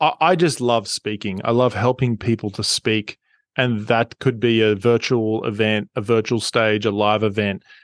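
A voice with an Australian accent over a quiet background. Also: man, dry, close sound with no echo. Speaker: professional speaker and sales coach. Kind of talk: casual interview.

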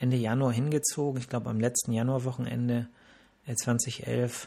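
A man at a medium pitch in a monotone, flat intonation. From northern Germany, Hamburg-Altona. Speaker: lung doctor and podcast host. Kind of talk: personal storytelling monologue. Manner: hesitant, many fillers.

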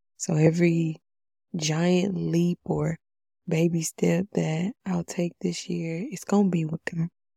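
This woman has a dark, mellow tone and a fairly low, somewhat breathy voice. She talks very slowly with monotone, flat intonation. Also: dry, close sound with no echo. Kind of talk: casual late-night solo monologue, with a read-out prayer. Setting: lying in bed at night.

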